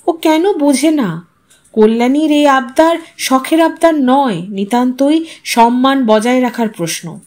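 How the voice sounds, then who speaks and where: A woman storyteller giving an expressive, literary narration of an audio story. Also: high-pitched, measured pace.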